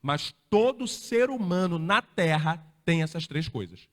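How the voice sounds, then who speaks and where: A man with a Brazilian Portuguese accent preaching a sermon as pastor, emphatic, slowing to stress scripture lines and dropping low for asides. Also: lively intonation, a bit bright, big-room sound. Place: church hall.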